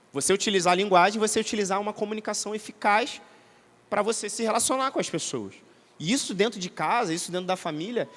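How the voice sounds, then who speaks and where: A man's voice: sits high, a bit bright. A man with a Brazilian Portuguese accent giving a conversational, didactic teaching talk to a church audience, often checking that listeners follow. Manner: conversational and didactic, many tag questions. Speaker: church seminar speaker. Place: church hall. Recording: reverberant hall.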